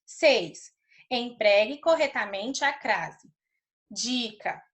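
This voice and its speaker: A woman teacher walks through a recorded grammar lesson for children. Her voice sits a little higher than average, and she reads each example sentence slowly and deliberately. She checks in with the class again and again. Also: lively intonation. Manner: checks understanding with "certo?".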